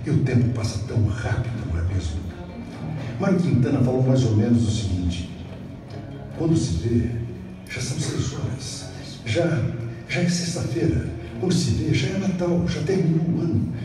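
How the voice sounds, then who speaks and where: A middle-aged man giving a motivational opening speech, measured and emphatic with dramatic pauses. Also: mid-range voice, animated. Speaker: motivational speaker. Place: video on a screen in a dark event hall. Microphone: phone filming the screen from the audience. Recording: echoey hall from far off with music.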